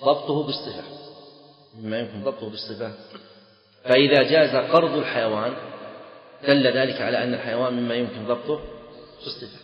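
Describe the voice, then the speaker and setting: A man's voice: mid-range voice, fast, pauses often. A man teaching a lesson on a legal text, explaining by repeating key phrases and checking whether the students understand. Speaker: sheikh teaching fiqh. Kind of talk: classroom lecture on a legal text. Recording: echoey lecture hall, dull lo-fi sound.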